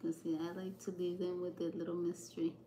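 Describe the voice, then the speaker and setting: A woman's voice: on the low side, flat delivery, quick pace, warm tone. Young woman, casual kitchen chat, code-switches, laughs easily; roomy echo. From California. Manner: chatty, switches into Spanish, laughs often. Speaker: vlogger. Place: home kitchen, indoors.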